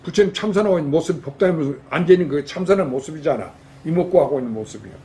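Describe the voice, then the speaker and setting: Rapid-fire, with lively intonation, this older monk from Jeolla, South Korea has a fairly high, mellow voice. He gives a folksy dharma talk in a temple hall and quizzes lay listeners with rhetorical questions.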